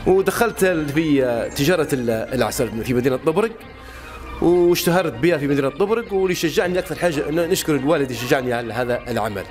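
Fast-talking Libyan man, halting answers. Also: fairly high pitch, expressive, darkish tone, soft background music. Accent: Libyan Arabic. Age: late 30s. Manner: halting, many fillers and restarts. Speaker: interviewee, honey trader. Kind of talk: casual interview answers. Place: outdoors by a wall. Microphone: handheld mic held by interviewer.

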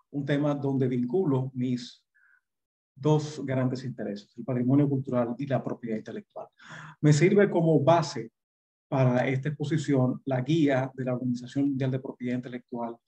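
A middle-aged man giving a measured, formal webinar presentation over a video call. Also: mid-range voice, dark tone, breathy edge. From Dominican Republic. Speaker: guest lecturer, lawyer. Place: indoor room on a video call. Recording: dull video-call audio.

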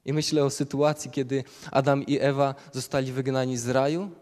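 A man's voice: mid-range voice, flat delivery, brisk, a little mellow. A man preaching a sermon, reading Bible passages aloud and explaining them verse by verse. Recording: long hall reverb.

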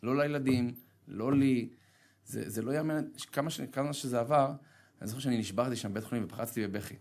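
A rabbi giving a sermon, telling a personal story with humor and acting out the voices of others. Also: male voice. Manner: animated, humorous, self-deprecating storytelling; acts out dialogue with sharp pitch jumps.

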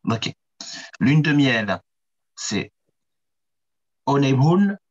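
A man's voice: medium pitch, sing-song, drawn-out words, muffled recording. A man reciting English vocabulary in an online class, hesitant and careful, heard over call audio. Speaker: student.

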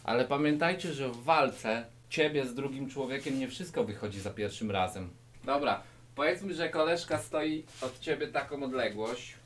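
A YouTuber gives a comedic mock martial-arts lesson to the camera, lecturing the viewer directly in a mock-serious tone that swings between loud and quiet. He talks at a moderate pace in a low-ceilinged indoor room, with some background noise.

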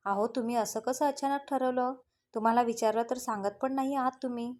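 A woman's voice: on the high side, fairly even intonation, fairly quick, a little mellow, lightly acted. Woman doing a worried middle-aged mom, full of questions, storybook reading.

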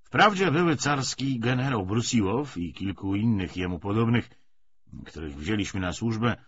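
A man's voice: fairly low pitch, animated, normal speed, a bit bright. A man reading an audiobook, voicing a weary, cynical, persuasive Bolshevik official with emphatic, hesitating, rhetorical speech. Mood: confiding. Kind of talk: dramatised audiobook dialogue. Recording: dull lo-fi audio, faint noise.

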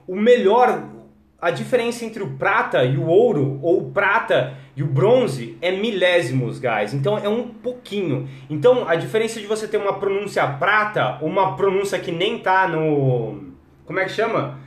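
A man's voice: high-pitched, expressive, moderate pace, reverberant. A young man teaching English on a live stream, full of energy, switching between English and Portuguese and greeting viewers by name.

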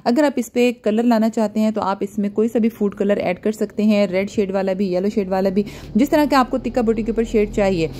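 A woman's voice: mid-range voice, fairly even intonation, fairly quick, few pauses, dark tone, slight background noise. A woman with a Pakistani Urdu accent, explaining a recipe step by step in a casual home cooking vlog. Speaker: cooking vlogger. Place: rooftop outdoors at night, and a home kitchen.

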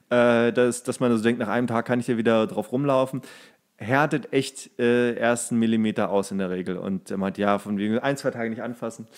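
A man's voice: medium pitch, a little mellow. A man co-hosting a podcast, rambling enthusiastically in casual, slangy, comedic chat. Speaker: podcast co-host.

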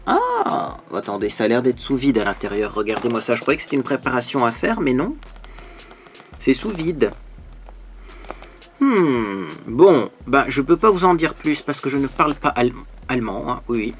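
A man's voice: mid-range voice, big pitch swings, normal speed, soft background music. A man, a beauty youtuber, chatting casually and animatedly while unboxing a parcel, full of fillers.

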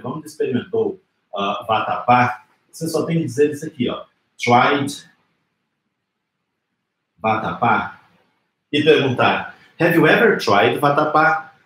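A Brazilian man in his forties giving an informal, conversational English lesson on a live stream, explaining didactically with rhetorical questions and example phrases. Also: medium pitch. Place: small indoor room with whiteboard. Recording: roomy, echoing indoor sound.

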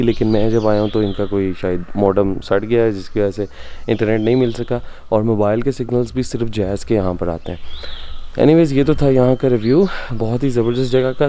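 A man in his thirties with a Pakistani Urdu accent, talking to viewers in a chatty, enthusiastic travel vlog, first outdoors in a mountain forest and then while riding a motorbike. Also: mid-range voice. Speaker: travel vlogger. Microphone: handheld camera at arm's length, then helmet-mounted camera. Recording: loud wind and engine noise outdoors.

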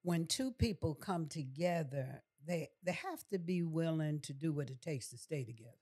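A woman in her sixties from New York City, reflecting in a measured, deliberate way as a podcast guest. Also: low-pitched, lively intonation, dark tone. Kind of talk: reflective conversational interview. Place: small furnished podcast studio. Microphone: close boom-arm studio mic with headset.

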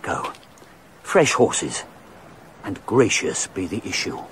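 An actor playing a courtier awed by the oracle, speaking expressively in a radio drama. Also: male voice, low-pitched, very animated, slow pace, fairly bright tone, slight background noise, heavily acted.

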